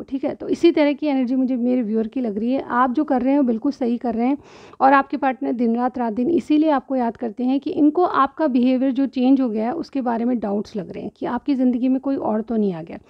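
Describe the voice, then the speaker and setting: Tarot reader: woman, high chatty voice, slightly sore throat, dull lo-fi sound. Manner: chatty, keeps asking "theek hai?". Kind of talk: direct-to-viewer tarot reading.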